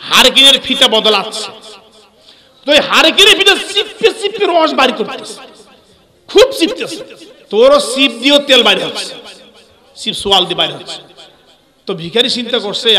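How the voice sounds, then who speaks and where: A man preaches in a high, piercingly bright voice that carries a long hall echo. He tells the story with lively acted-out dialogue and keeps calling on the crowd to cheer. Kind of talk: sermon storytelling at a religious gathering.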